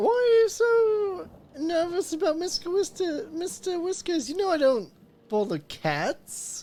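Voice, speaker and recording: This put-on character voice is pitched extremely high and moves at a very slow pace. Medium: actual play. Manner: sly, mock-polite.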